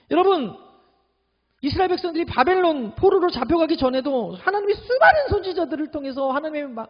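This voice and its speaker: A high-voiced male pastor delivering a sermon in a church sanctuary. He drops to soft, confiding tones, then rises into loud, urgent preaching. The sound is muffled and rings with long reverb. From Korea.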